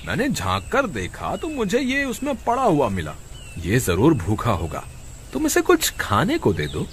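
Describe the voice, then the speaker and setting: A man's voice: medium pitch, huge pitch swings, unhurried, a little hiss or hum. Man voicing a kind earnest village farmer. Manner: earnest, caring.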